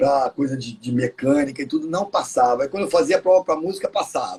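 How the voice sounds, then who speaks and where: A man is talking. The pitch of his voice leaps across a very wide range. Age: 60s. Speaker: musician. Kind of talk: interview. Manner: casual, halting with repetitions.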